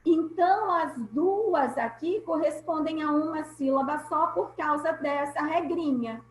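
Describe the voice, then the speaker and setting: A woman's voice: high-pitched, a bit bright. A woman teacher with a Brazilian Portuguese accent, giving an online class over a video call, patient and explaining step by step with repeated key points. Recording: echoey room.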